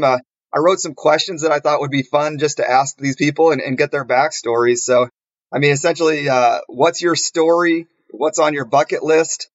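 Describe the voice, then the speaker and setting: A man's voice: a little high, lo-fi sound. A man co-hosting a podcast, asking questions in a friendly, playful way. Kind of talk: casual podcast conversation.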